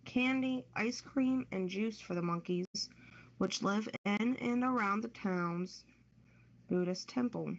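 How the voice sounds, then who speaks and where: A woman co-hosting a casual show, reading out light news stories. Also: mid-range voice. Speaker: co-host presenting stories. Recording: dull audio with faint background noise.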